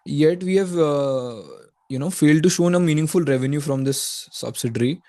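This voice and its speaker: A man's voice: on the high side, moderate pace, mellow, no room sound, studio quality. A man with an Indian accent asking polite but pointed questions as an analyst on a conference call.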